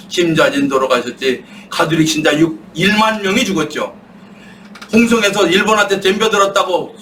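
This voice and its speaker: A middle-aged man giving an impassioned political talk, asking rhetorical questions and answering them himself, sometimes shouting when worked up. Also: high-pitched, a little hiss or hum. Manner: rhetorical, asks and answers his own questions. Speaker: guest speaker. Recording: distant mic with faint room ambience.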